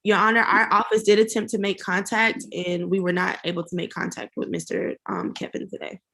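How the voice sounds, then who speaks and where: A woman's voice: medium pitch, level tone, brisk, creaky, a bit bright. A woman prosecutor arguing formally before a judge over a video call, spelling out names and addresses letter by letter. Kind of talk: formal courtroom argument.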